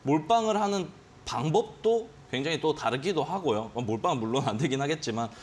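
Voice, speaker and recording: Animated male stock trading instructor. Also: a little high, a little fast. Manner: animated, acts out his own gut reactions with quoted exclamations. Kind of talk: explaining day trading to students on a finance broadcast. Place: broadcast studio.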